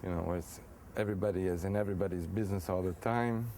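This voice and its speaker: A man's voice: low-pitched, steady tone, racing, dark tone, slight background noise. An American man talking as an interview guest in a casual, rambling way, with many fillers and restarts. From United States.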